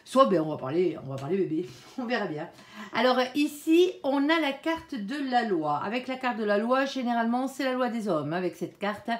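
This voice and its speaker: A woman's voice: a little high, animated, a little fast. A woman giving a casual tarot reading, talking chattily to her viewers and filling her speech with little interjections. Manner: chatty, peppers speech with "hein" and "alors"; softly pleads with her guardian angel between cards. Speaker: tarot card reader. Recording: echoey room.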